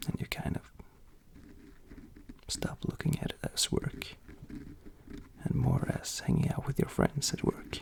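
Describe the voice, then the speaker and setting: There is noticeable background noise while a man whispers fairly slowly, pausing often and at length. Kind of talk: ASMR close-mic talking. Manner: soft-spoken, close-mic whisper.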